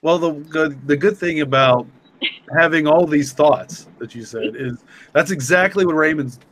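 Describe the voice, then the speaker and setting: A man's voice: a little high, normal speed, a bit bright, slight background noise, low-quality recording. A man co-hosting a podcast, explaining things casually with a hesitant delivery. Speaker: podcast co-host and story creator. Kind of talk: casual discussion.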